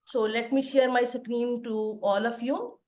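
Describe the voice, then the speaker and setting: Middle-aged woman from pakistan teaching on a video call, bit high voice, lots of uh pauses. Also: steady tone, darkish tone. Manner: careful, plain explaining with frequent "uh" pauses. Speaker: assistant professor giving a webinar lecture. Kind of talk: online lecture. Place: home study with bookshelves behind.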